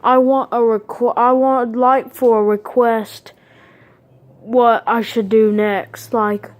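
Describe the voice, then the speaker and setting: Woman doing a casual unscripted vlog, kinda high voice, really slow and halting, lists stuff one at a time. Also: little pitch movement. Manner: halting, listing items one by one. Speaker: video creator asking viewers for requests.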